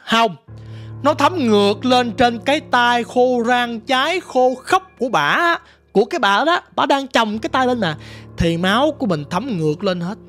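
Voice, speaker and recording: A woman's voice: a little high, fairly bright tone. A woman with a Southern Vietnamese accent telling her ghost story in a vivid, dramatic, casual way, talking straight to the listener. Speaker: storyteller guest.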